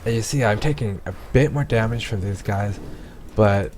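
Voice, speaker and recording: A man's voice: fairly low pitch, normal speed, darkish tone, slight background noise. A man casually commentating his gameplay in a rambling way, with many ums and restarts, while losing his voice. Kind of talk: casual let's-play commentary.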